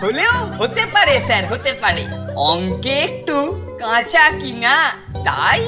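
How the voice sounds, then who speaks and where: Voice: mid-range voice, huge pitch swings, measured pace. An actor voicing a dim, sheepish older schoolboy in a children's cartoon, hesitant and full of excuses. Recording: music behind the voice.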